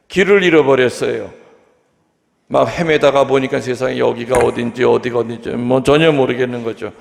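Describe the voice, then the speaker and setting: A man's voice: medium pitch, vocal fry, darkish tone. A Catholic priest giving a humorous, chatty homily to his congregation in a church. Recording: long reverb of a large hall.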